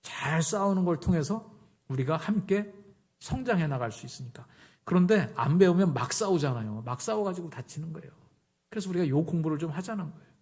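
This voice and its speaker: Middle-aged man, pastor, chatty sermon delivery, slightly high voice, voices both sides of a quarrel. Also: lively intonation, a little fast, a little mellow. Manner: conversational storytelling, acts out dialogue.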